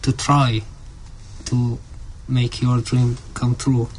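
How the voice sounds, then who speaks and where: A man's voice: medium pitch, completely flat delivery, slow pace, slight background noise. A man who speaks English as a second language, talking earnestly and hesitantly in a group discussion, often repeating his phrases. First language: not English. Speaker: asylum seeker.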